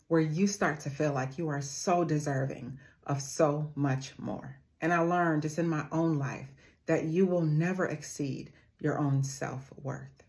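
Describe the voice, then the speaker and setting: A low-voiced woman delivers a motivational talk like a sermon. She calls her listeners family and comes back again and again to the same key phrases. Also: steady tone, unhurried, a little mellow. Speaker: motivational speaker.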